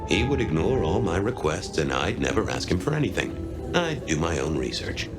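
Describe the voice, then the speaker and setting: An actor playing a brooding, world-weary detective who narrates a video game in terse, moody noir monologue. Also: male voice, low-pitched, big pitch swings, moderate pace, loud music behind the voice.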